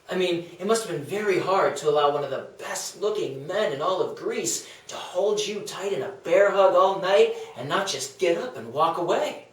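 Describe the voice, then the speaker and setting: Man reading a cocky higher-voiced young Greek. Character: cocky, smart-mouthed young Greek man, teasing skeptic. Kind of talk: table read of a comedic stage dialogue. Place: small meeting room around a table. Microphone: far camera or table recorder. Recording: echoey meeting room, distant mic.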